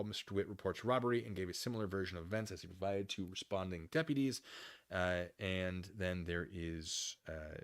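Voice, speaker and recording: A man hosting a live stream, reading documents aloud and commenting casually with conversational, animated asides. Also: fairly low pitch. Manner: conversational, animated asides, acts out imagined dialogue.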